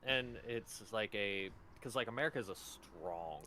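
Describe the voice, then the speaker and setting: A man's voice: fairly low pitch, moderate pace, pushed and bright, a little hiss or hum, poor audio. A young man in a casual, joking, profane podcast chat, reading quiz statements aloud and riffing on them. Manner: laid-back, profane, joking. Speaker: podcast co-host.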